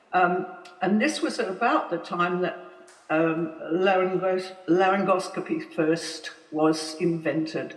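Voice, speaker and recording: A woman at a fairly low pitch and very slow pace, with audible room echo and music in the background. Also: ordinary pitch variation. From Australia. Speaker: voice teacher. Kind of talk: lecture. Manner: halting.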